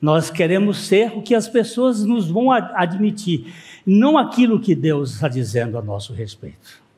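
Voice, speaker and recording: A man's voice: high-pitched, very animated, moderate pace, darkish tone. A man preaching a sermon in a church, mixing rhetorical questions with anecdotes told with dry humor. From Northeast Brazil. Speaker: pastor. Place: church sanctuary.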